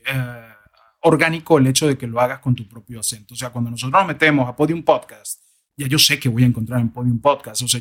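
A man answering interview questions on diction and accents in a lively, rambling way. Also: medium pitch. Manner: animated, discursive, frequent "o sea" asides. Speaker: guest, voice and diction expert. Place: lives in the United States.

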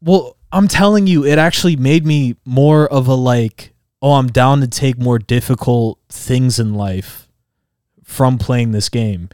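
A man's voice: mid-range voice, a little slow, clean tone, dry recording, clean studio sound. A man in his twenties on a casual podcast, telling stories with lots of "like" and "bro" and acting out game sounds. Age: 20s. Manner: animated storyteller, acts out game sounds, heavy filler "like" and "bro". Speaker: podcast co-host. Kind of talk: casual chat.

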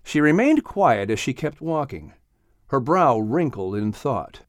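A man narrating a children's animal story as an audiobook reader, in an expressive scripted storytelling style. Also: mid-range voice, unhurried, no echo, studio quality.

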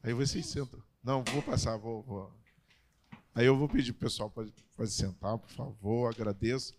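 A middle-aged Brazilian man preaching a sermon in a chatty way, his voice still recovering and a bit hoarse, growing lively when he tells stories. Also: mid-range voice, normal speed. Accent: Brazilian Portuguese. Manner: conversational, building up energy when storytelling.

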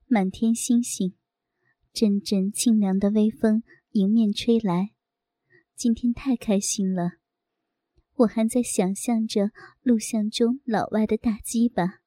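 A woman reading a first-person story aloud in a soft, intimate, unhurried way. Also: medium pitch, steady tone, dry recording, clean studio sound.

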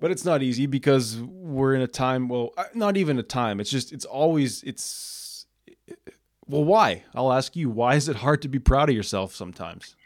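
A man hosting a podcast interview, relaxed and agreeable, thinking aloud with restarts. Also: medium pitch, normal speed, dry recording, studio quality. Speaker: podcast host.

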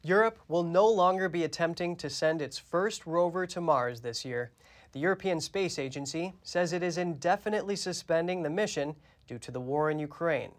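A male news anchor reading story introductions in a crisp, formal way. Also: on the high side, moderate pace.

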